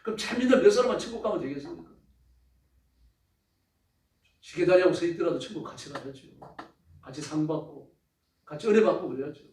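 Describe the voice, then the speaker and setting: A man's voice: a little high, expressive, a little fast, pauses often, darkish tone, slight background noise. A male pastor preaching a sermon with emphatic, rising exclamations. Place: church sanctuary. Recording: echoey church from a distance.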